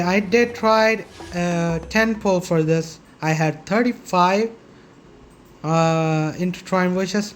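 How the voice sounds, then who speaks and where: Slow, halting casual gamer commentary. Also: medium pitch, slight background noise. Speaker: gaming YouTuber. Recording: faint game music behind.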